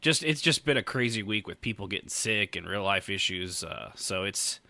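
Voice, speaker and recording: A man's voice: fairly low pitch, lively intonation, normal speed, vocal fry, bright, forceful tone, dry recording. A man hosting a live podcast in a casual, rambling, joking and teasing way. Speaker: podcast host.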